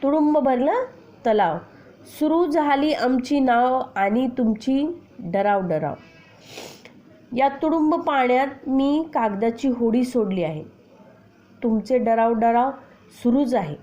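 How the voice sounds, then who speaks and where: A woman teacher explaining a children's poem to her class, reciting lines slowly and then explaining each word with questions to the pupils. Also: on the high side, animated, warm tone. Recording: dull lo-fi recording.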